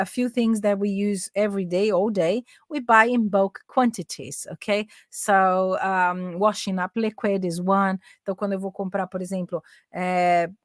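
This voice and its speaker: A woman's voice: mid-range voice, no echo, clean studio sound. A middle-aged Brazilian woman teaching English in a chatty lesson, switching between Portuguese and English and often checking in with "né?" and "ok?". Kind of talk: casual bilingual English lesson.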